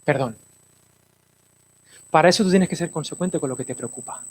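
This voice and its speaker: A man, a pastor preaching a lively, playful sermon to a congregation, with sudden drops to hushed intensity. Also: a little high, moderate pace, breathy edge. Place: church hall, in front of a congregation.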